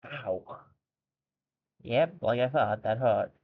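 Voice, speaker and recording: A man's voice: mid-range voice, takes it slowly. A man streaming a video game and thinking aloud in casual commentary, with wry jokes at his own expense. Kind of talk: casual let's-play commentary. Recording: tinny phone-like sound.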